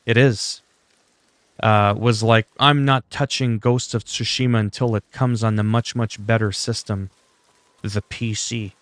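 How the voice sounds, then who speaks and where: While he plays a game on stream, a man whose first language is French keeps up casual, opinionated talk with his chat. He speaks a little slowly in a fairly low voice with fairly even intonation, and there's no room sound.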